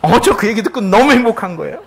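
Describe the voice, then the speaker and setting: A man's voice: high voice, expressive, fast, vocal fry, husky. A middle-aged man, a missionary preaching a sermon in a church, telling family stories in a conversational way. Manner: conversational, storytelling with family anecdotes. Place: church sanctuary.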